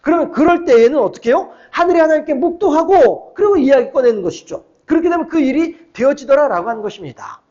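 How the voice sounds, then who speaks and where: A middle-aged man with an unusually high voice is preaching a weeknight sermon to his congregation. He talks in a relaxed, chatty way and keeps asking the listeners questions. The recording sounds dull and muffled. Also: quick pace, hardly any pauses. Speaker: pastor.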